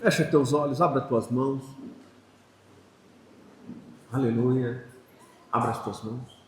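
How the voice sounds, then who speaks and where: A man with a Brazilian Portuguese accent preaching as a pastor, telling a personal story and breaking into loud shouted prayer. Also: medium pitch, takes it slowly, background noise. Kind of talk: sermon. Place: church hall. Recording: echoey church hall.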